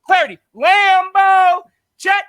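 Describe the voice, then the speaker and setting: Man, podcast co-host, loud shouty hype intros, very high bright voice. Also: takes it slowly, no echo.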